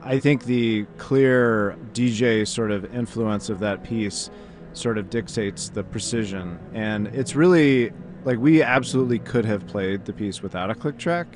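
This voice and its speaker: A man, an orchestra's principal percussionist, explaining his work in a relaxed, casual way during an interview. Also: on the low side, measured pace.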